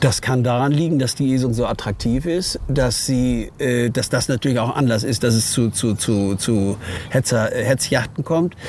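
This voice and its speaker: Medium-pitched speech from a man at a moderate pace and very even loudness, with noticeable background noise. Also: ordinary pitch variation. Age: 70s. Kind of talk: interview. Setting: outdoors on a terrace.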